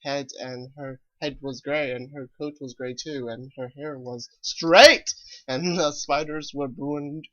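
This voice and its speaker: A man's voice: medium pitch, steady tone, measured pace, sharp tone, muffled recording. A man reading fan fiction aloud as a co-reader, casually joking about it as he goes.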